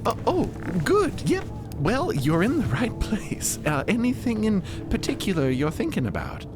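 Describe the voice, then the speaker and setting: A man's voice: sits high, huge pitch swings, normal speed, voice pushed up. A man voicing a flustered, eager-to-help hat shop keeper with a hesitant, stammering, folksy way of talking, in a fiction podcast. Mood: flustered, helpful. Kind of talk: narrative fiction podcast acting. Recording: music behind the voice.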